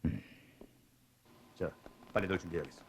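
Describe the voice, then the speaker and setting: An actor with a North Korean accent playing an earnest middle-aged party secretary in a film drama, considerate and encouraging. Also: male voice, low-pitched, normal speed, a little hiss or hum, lightly acted, rough recording. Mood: resolute.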